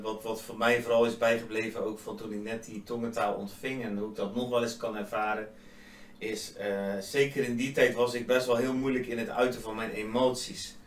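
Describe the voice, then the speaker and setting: A man co-hosting a faith podcast, earnestly explaining scripture in a casual way and getting animated when he quotes. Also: on the low side, normal speed. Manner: earnest, animated when quoting, speaks in tongues at times. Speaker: podcast co-host. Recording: roomy echo, distant from mic, faint noise.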